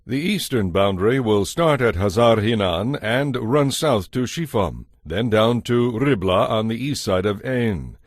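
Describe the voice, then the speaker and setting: A man narrating dramatized scripture in a solemn, measured, authoritative manner. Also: on the low side, animated, dry recording, studio quality. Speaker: audio Bible narrator. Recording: music under the voice. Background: music.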